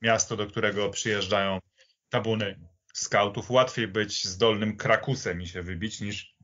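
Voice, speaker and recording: Low-voiced man, reflective podcast talk. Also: steady tone, unhurried, fairly bright tone, lo-fi sound. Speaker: podcast speaker. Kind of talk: conversational sports commentary.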